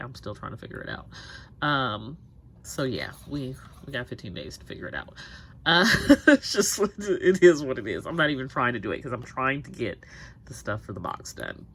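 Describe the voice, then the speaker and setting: A woman's voice: extremely low pitch, slight background noise. A young woman chatting through her monthly budget check-in, rambling with lots of ums, sounding stuffy and sniffly. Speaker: budget planner vlogger.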